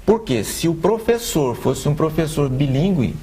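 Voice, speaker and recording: A man with a Brazilian accent, an accessibility adviser speaking in a panel debate, earnest and halting, often repeating words. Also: fairly high pitch, very animated, dark tone, breathy edge. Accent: Brazilian Portuguese.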